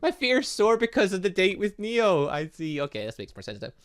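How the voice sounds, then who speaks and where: A man hosting a gaming video, giving casual, excitable and rambling commentary and stumbling as he reads game text aloud. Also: high-pitched, brisk, clean tone. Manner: excitable, rambling, stumbles over read lines. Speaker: gaming video host, let's play narrator.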